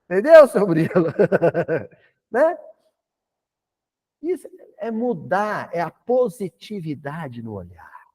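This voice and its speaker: A man with a Brazilian Portuguese accent giving a spiritist talk in a folksy, animated way, with humorous asides. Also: high voice, takes it slowly, long pauses, husky. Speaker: spiritist lecturer.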